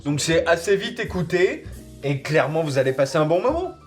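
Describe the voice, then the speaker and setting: Male review host, slightly high voice, loose and chatty, faint music behind. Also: sing-song, brisk. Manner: chatty, swears casually, many fillers. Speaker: host reviewing audio dramas. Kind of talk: casual online review.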